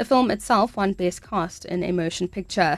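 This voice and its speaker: Music plays in the background as a woman speaks with a South African accent. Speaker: radio newsreader. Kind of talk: radio news bulletin, read from script. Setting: radio studio broadcast. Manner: crisp, steady, formal newsreader delivery; brisk, even-paced, authoritative.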